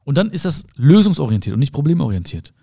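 A man with a warm, mellow voice talks the listener through a quiet self-help monologue. He speaks calmly to them as a friend, circling back to rephrase each point. The sound is close and dry, with no room around it. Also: a little high, quick pace, gravelly, breathy edge, no room sound. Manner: calm, addresses the listener directly, rephrases often. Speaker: podcast host.

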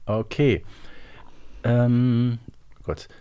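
A man's voice: mid-range voice, fairly even intonation, very slow, mellow, clear, resonant tone, highs cut off. A man co-hosting a podcast, playing a guessing game in casual chat and muttering to himself as he thinks. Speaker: podcast co-host.

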